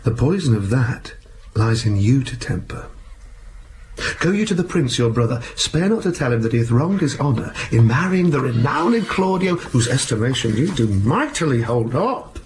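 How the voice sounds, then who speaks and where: A sly, persuasive henchman, played by a man, laying out a plot in a mid-pitched voice. He leans in conspiratorially and drops into whispers, all in a Shakespearean stage play. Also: animated, normal speed, a little hiss or hum, close to an everyday voice. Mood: scheming. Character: sly scheming male henchman, cunning and persuasive.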